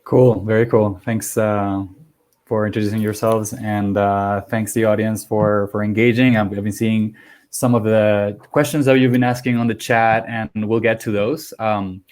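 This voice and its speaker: A man from Venezuela, a native Spanish speaker, moderates a panel in a fairly low voice. His delivery is conversational and halting, with phrases often started over. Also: fairly even intonation, a little mellow.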